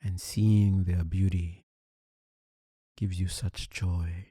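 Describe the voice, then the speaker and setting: A man leading a guided meditation, calm and soothing, speaking in deliberate short phrases with long pauses. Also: sits low, breathy edge, dry recording, studio quality. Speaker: meditation teacher.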